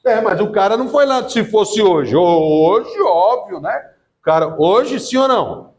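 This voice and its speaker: A middle-aged man giving a classroom theology lecture, lively and often asking the class questions. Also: high-pitched, unhurried. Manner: lively, asks the class questions and acts out quotes. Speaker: theology teacher.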